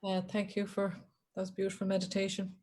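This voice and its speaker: A woman's voice: medium pitch, completely flat delivery, a little fast, a little mellow. A woman with a west of Ireland accent chatting casually and a little hesitantly on a video call. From Galway, west of Ireland. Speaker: meditation attendee. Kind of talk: casual chat.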